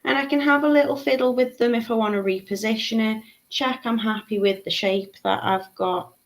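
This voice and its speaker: A woman's voice: on the high side, steady tone, normal speed, poor audio. A woman, giving a live craft tutorial, chatting and laughing as she reads out viewer comments. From Liverpool, England. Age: 30s. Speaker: beading tutor.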